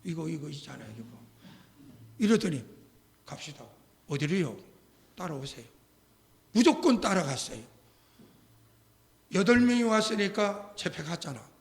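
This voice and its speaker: An older man preaching a sermon as a pastor, telling a story with lively acted-out dialogue and sudden loud outbursts. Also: high voice, moderate pace, vocal fry, pauses often. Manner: animated storytelling, acting out quoted voices, shouting at climaxes.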